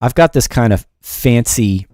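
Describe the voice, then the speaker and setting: A man's voice: medium pitch, expressive, measured pace, mellow, dry recording, studio quality. A middle-aged man giving a casual livestream music production lesson in a rambling, informal, self-deprecating way. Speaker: music production teacher and show host.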